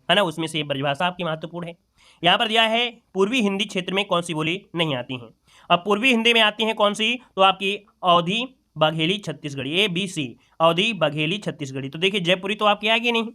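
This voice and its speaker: High bright-voiced man solving exam questions. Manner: repeats each question and answer, asks rhetorical questions; addresses listeners as friends. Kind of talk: exam-prep lesson.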